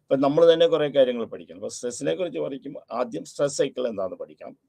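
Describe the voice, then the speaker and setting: A male lecturer with a gravelly, husky voice talks through a psychology lesson for a recording. He explains patiently and repeats each key term, slipping English phrases into his speech. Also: mid-range voice, animated, racing, dark tone.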